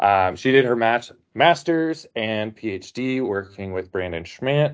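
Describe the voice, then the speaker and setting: The intonation is lively, in a normal speaking voice. The pace is fairly slow. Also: man. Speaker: scientist introducing speaker. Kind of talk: speaker introduction.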